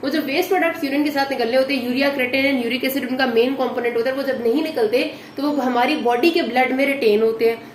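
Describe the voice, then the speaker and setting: High-voiced woman, patient medical lecturer, echoey room with faint hiss. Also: fairly even intonation, fast, few pauses, a crowd in the background. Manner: patient, repeats key points with "ठीक है" checks. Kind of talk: explanatory lecture.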